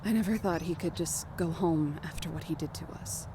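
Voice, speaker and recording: A woman's voice: low-pitched, a little fast, close to an everyday voice. A woman acting a weary, protective young leader of fugitives in an audio drama, with a subdued, serious delivery. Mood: grave, bitter. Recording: noisy outdoor ambience bed.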